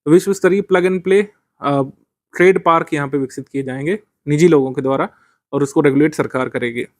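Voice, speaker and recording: A man's voice: fairly high pitch, a little fast, a little mellow, dry recording, clean studio sound. A man teaching current affairs for a civil services exam, explaining step by step with frequent fillers.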